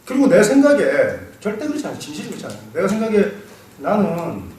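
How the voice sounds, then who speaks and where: Guy lecturing a class, high animated voice, asks questions, laughs a lot, echoey room far off. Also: fast talker. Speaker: saju lecturer. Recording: roomy echo, mic far off, faint noise.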